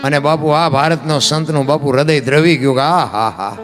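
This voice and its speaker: Over background music, a Gujarati man shares devotional folk tales at a moderate pace, his voice fairly high. He speaks rhythmically, repeats phrases to stress them, and addresses his audience as bapu.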